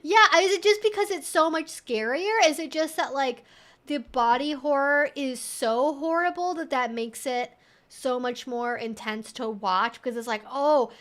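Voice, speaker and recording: A woman with a high-pitched voice hosts a casual livestream. She talks in a conversational, emphatic way, thinking aloud as she responds to viewer comments. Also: a bit bright. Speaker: livestream host.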